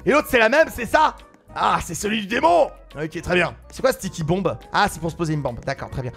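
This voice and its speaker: A man giving excitable gaming commentary, exclaiming, laughing and shouting as he plays. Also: high voice, brisk, creaky, husky, faint music behind. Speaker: gaming YouTuber.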